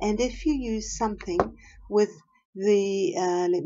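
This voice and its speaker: At a fairly slow pace, a woman talks in a normal speaking voice at a medium pitch with ordinary pitch variation. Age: 60s. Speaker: vaping video blogger. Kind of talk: casual product chat to camera. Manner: relaxed, conversational.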